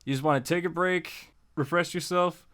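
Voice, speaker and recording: A man's voice: on the high side, steady tone, moderate pace, a bit bright. Casual man giving a tutorial. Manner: informal, repeats phrases for emphasis, acts out example remarks. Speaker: host of a tutorial series. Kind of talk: casual, conversational writing lesson.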